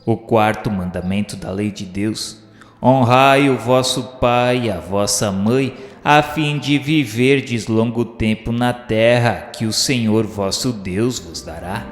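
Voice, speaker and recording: A man's voice: on the low side, slow. A man with a Brazilian accent narrating a radio novel in a solemn, literary, theatrical way. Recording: echoey, long reverb, music underneath.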